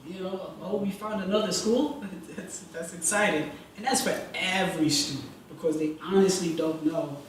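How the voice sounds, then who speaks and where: A man from Jamaica speaking on a panel, talking in an energetic, conversational way with rhetorical questions. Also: high voice, normal speed, hardly any pauses, a little hiss or hum. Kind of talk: panel discussion. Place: event hall. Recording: echoey hall from far off.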